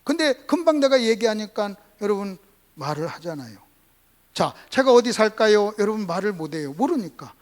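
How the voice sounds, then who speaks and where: A male revival preacher with a notably high voice addresses his congregation. He teaches by repeating key phrases and putting rhetorical questions to his listeners, with firm emphasis. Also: very animated, normal speed. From Gunsan, North Jeolla, South Korea. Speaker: pastor, visiting revival preacher. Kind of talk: Sunday revival sermon with call-and-response to congregation. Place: church service.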